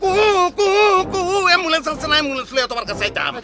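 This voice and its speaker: A man's voice: extremely high pitch, very animated, racing, over loud music, heavily acted. A man playing a hot-headed young son who pleads for and defends his mother in a folk stage drama. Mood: indignant. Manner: impassioned, pleading then threatening.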